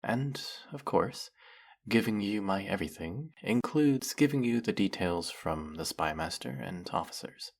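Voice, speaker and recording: A man playing a flirty, fanatically devoted demon familiar in a dramatic audio roleplay, with fawning, formal diction and a breathy, husky voice. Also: on the low side, expressive, unhurried. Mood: dutiful, menacing. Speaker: voice actor. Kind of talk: dramatic roleplay monologue spoken to the listener.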